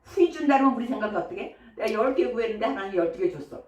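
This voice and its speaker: A woman's voice: on the high side, expressive, fast. A woman pastor giving a sermon in a chatty way, often asking the congregation questions. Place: church sanctuary. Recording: echoey church hall from far off.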